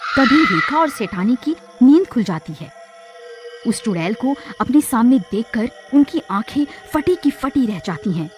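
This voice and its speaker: A woman narrating a cartoon horror story in a steady, dramatic storytelling manner. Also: a little high, unhurried. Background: music.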